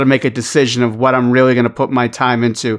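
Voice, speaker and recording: A man with a Boston accent at a fairly quick pace on a very clean recording with a silent background. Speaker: podcast co-host. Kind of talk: casual, profane.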